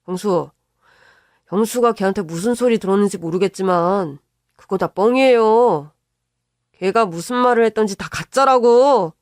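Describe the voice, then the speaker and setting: A woman's voice: mid-range voice, normal speed, darkish tone, no echo, studio quality, lightly acted. A woman voicing a rude, hot-tempered younger brother-in-law who snaps and dodges questions. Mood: evasive. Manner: rude, snapping, defensive.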